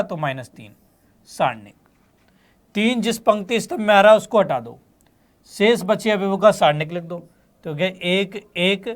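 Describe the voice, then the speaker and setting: A man with a high-pitched voice teaches a maths lesson, talking students through each step of the working. He checks in with them often and calls them in fondly. His delivery stays patient and methodical as he explains. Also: a bit bright. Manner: addresses students as beta and bachche, frequent check-ins.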